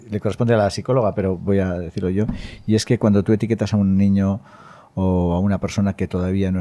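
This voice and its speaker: Dark and mellow in tone, a man speaks at a fairly low pitch and a fairly quick pace with ordinary pitch variation. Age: 60s. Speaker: podcast host and coach. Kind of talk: casual chat.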